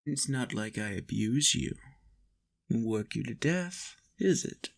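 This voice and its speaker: A man playing a possessive, doting vampire master in an intimate roleplay monologue, coaxing and teasing with soft menace. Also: medium pitch, expressive, slow, vocal fry, exaggerated voice.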